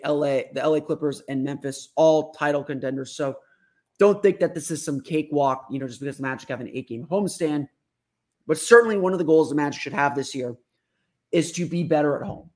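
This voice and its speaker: A hoarse, raspy man with a fairly high voice hosts a casual sports talk show. He is under the weather and rambles, repeating words and restarting his sentences as he goes. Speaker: sports podcast host.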